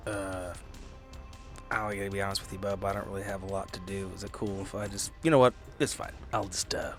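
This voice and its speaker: A man with a lowish voice plays a tabletop roleplaying game. He improvises casually, laid-back and slangy, while music plays behind him. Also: fairly even intonation, fairly quick.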